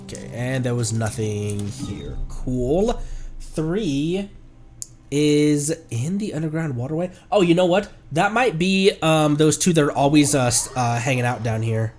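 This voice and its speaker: Male streamer for casual gameplay talk; unhurried, rambling, animated pitch, light music behind. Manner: rambling, muttering to himself, playful. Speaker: streamer, VTuber host. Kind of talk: casual live gameplay commentary. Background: game music.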